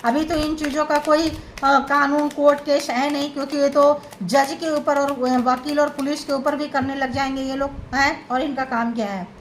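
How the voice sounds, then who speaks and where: A woman's voice: sits high, flat delivery, normal speed, few pauses, a little hiss or hum. A woman giving a tarot reading to the viewer, dramatic and repetitive, speaking directly to them. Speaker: tarot reader.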